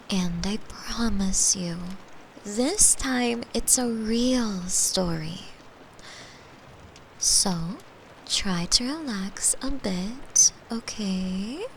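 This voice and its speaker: Woman playing caring young girlfriend, highish soft voice, very slow bedtime storytelling, playful and soothing, intimate ASMR roleplay, some whispering. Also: a little hiss or hum, exaggerated voice. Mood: tender, soothing. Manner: gentle, soothing, teasing, unhurried, slipping into whispers. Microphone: close microphone, made for headphones.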